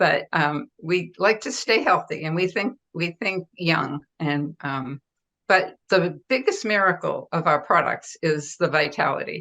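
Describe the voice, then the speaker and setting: A woman with an American accent speaks fairly slowly, her fairly low voice bright and sharp in tone, with lively intonation. The recording is very clean, with a silent background and a dry, close sound with no echo. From Boston area. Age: 70s. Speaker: business partner giving product testimonial. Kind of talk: testimony. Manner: halting.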